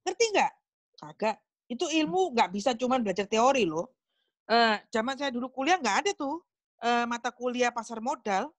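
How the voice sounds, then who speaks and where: At a small group meeting, a woman with a slightly high voice preaches an informal sermon in an animated way at normal speed. She chats freely and acts out little conversations with God, with no echo in the recording.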